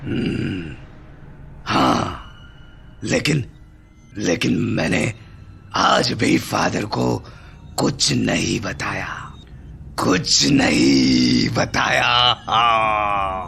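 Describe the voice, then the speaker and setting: A raspy, very deep, low put-on character voice from a man, very slow with long, frequent pauses and very wide pitch swings, over clear background noise. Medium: audio drama. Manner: stammering, repetitive, rambling.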